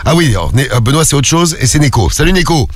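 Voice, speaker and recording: A man's voice: fairly high pitch, very animated, quick pace. A man hosting a live call-in radio show, chatting loosely and joking with his co-hosts and callers, with many fillers.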